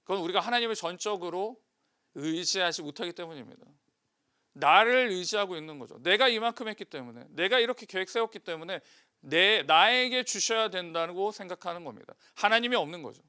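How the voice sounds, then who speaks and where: A man's voice: high-pitched, animated, fairly quick, bright, forceful tone, smooth. A male pastor preaching a sermon, putting questions to the congregation and answering them himself.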